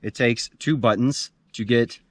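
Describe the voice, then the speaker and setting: A man's voice: medium pitch, measured pace, no room sound. A man giving a casual, plain-spoken product review to camera as the host, blunt in his judgments. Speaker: host of a gear review show.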